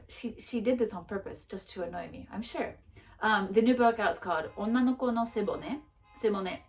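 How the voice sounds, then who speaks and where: A woman's voice: medium pitch, fairly quick, far from the mic. A woman book vlogger chatting casually about her reading plans, self-mocking, with frequent restarts and laughter. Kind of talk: casual chat.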